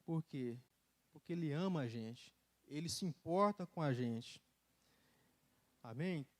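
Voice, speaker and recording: A man preaches in a church. He tells his testimony in an animated, storytelling way, with casual asides and bursts of laughter. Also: a little high, measured pace. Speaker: church speaker giving a testimony. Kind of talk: sermon testimony. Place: church sanctuary.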